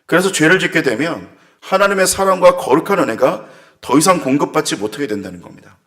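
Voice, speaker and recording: A man's voice: on the high side, expressive, quick pace, fairly bright tone. A man preaching a sermon as pastor, earnest and reflective, with sighing asides as he muses aloud. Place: church.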